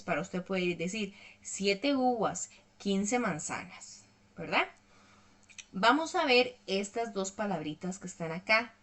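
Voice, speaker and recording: A woman's voice: mid-range voice, fairly bright tone. A woman teaching an online English lesson, explaining patiently step by step and checking in often with her students.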